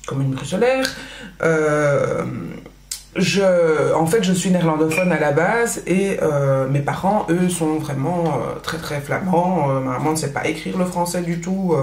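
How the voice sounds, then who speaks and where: A woman's voice: deep voice, a little slow, a little mellow, reverberant, a little hiss or hum. A woman in her thirties from Belgium, Dutch her first language, chatting casually with a Belgian French accent, full of fillers and restarts. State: pregnant. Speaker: vlogger. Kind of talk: casual chat while doing makeup.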